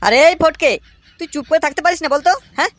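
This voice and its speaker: A bossy, boastful older guy from a comedy cartoon acted out by a woman. The voice is high and quick, scolding and swaggering, with faint noise behind it. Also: close to an everyday voice. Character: bossy, boastful older neighbourhood pal, a man.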